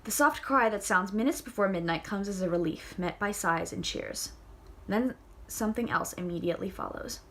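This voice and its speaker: A woman's voice: medium pitch, moderate pace. A young woman reading a novel aloud, casual and enthusiastic, with chatty asides and small stumbles. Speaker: audiobook reader.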